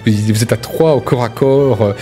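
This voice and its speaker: A man's voice: mid-range voice, moderate pace, mellow, faint music behind. A man improvising vivid, casual narration as the game master of a tabletop role-playing game. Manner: vivid descriptive storytelling with casual asides.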